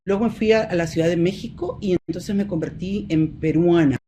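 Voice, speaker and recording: A woman's voice: on the low side, a little fast, warm tone, a little hiss or hum. Hesitant Peruvian woman lecturing online. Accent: Peruvian Spanish. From Peru. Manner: hesitant, many fillers and restarts. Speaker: university professor. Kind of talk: academic presentation in a video conference.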